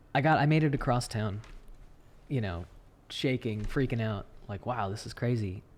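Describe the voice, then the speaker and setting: Speaking at a moderate pace with an American accent, a man uses a medium pitch and ordinary pitch variation. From New York City (Manhattan). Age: 20s. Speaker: cyclist and videographer. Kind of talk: casual interview chat.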